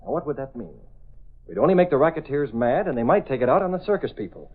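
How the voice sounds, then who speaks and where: A man's voice: medium pitch, sing-song. An actor playing a firm, authoritative male newspaper publisher in a 1930s radio drama. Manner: authoritative, deliberate. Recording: tinny old radio broadcast.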